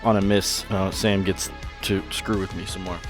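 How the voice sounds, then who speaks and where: Male tabletop player, casual table talk, slightly low voice, soft music behind. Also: little pitch movement, moderate pace. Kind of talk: casual game-table chat.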